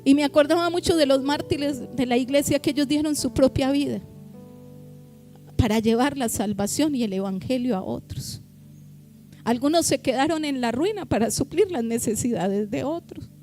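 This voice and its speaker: A woman's voice: sits high, moderate pace, warm tone, faint music behind. A woman pastor preaching a sermon with passion, stretching out key words for emphasis. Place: church.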